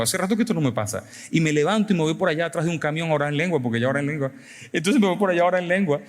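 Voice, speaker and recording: A man preaching a sermon, questioning and teasing the congregation in an animated, conversational way. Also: fairly high pitch. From Venezuela. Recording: long reverb in a hall.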